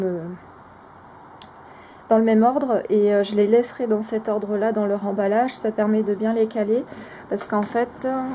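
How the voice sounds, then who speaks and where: Woman, casual craft review vlog, warm low-key timbre, halting delivery with many fillers, frank verdicts. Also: slight background noise. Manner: hesitant, frequent filler sounds and restarts; frank, plainly spoken opinions. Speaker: crafting vlogger reviewing products. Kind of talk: casual product review, showing items to camera.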